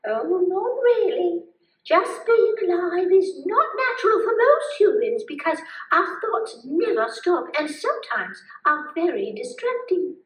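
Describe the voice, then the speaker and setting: A woman voicing an earnest, cheerful puppet who gently guides others through mindfulness in a live puppet show. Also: very high voice, sing-song, a little slow, far from the mic, heavily acted. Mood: explaining. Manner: soothing, instructive, enthusiastic. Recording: roomy sound from afar.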